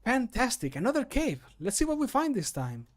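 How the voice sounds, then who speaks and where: A spirited adventurer companion from a video game, acted by a man. The pitch is pushed up high, and the delivery is theatrical and sardonic. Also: wildly swooping pitch, fairly quick, heavily acted. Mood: sarcastic cheer. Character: spirited adventurer companion exploring caves and battling.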